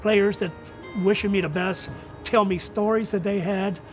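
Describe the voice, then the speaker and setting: An older man, a retiring coach, giving earnest, reflective interview answers in a deliberate way with pauses. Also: high-pitched, fairly even intonation, faint music behind. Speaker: retiring college soccer coach.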